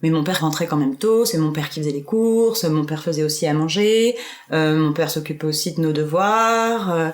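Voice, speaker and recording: A woman with a very deep, low pitch, ordinary pitch variation and a moderate pace. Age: 20s. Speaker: podcast guest sharing personal story. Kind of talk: intimate interview. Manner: hesitant, many filler words.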